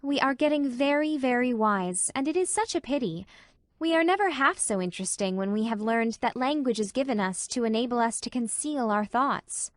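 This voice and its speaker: A gentle, fanciful young teacher speaks softly and wistfully, as a woman narrator plays her. The voice sits fairly high and is recorded dry and close. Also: lively intonation, moderate pace, no room sound, close to an everyday voice. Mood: playful.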